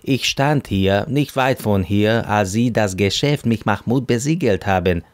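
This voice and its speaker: A man's voice: lowish voice, a little slow, no echo, lightly acted. A man voicing a pushy, talkative Arab Christian man who repeats himself pompously, in an audiobook. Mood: effusive. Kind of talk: audiobook character voice.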